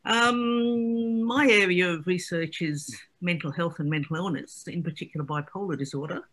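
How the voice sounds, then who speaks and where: A woman's voice: fairly low pitch, normal speed, fairly bright tone. An older woman introducing herself on a video call in a chatty, wry way. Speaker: researcher panelist. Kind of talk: casual self-introduction. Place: home room with bookshelves on a video call.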